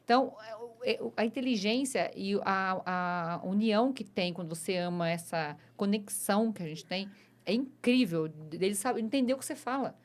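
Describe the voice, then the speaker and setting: Uma mulher apresentando um programa de rádio, entrevistando um convidado de forma descontraída e contando casos próprios. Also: female voice, mid-range voice, moderate pace. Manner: friendly and talkative, tells her own anecdotes. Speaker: radio show host. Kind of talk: radio interview, casual chat.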